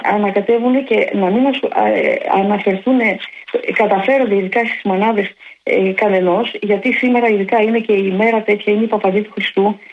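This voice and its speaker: A woman calling a radio show, speaking earnestly and hesitantly, with many fillers. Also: mid-range voice. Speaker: caller. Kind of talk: phone-in call. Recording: muffled phone line with faint hiss.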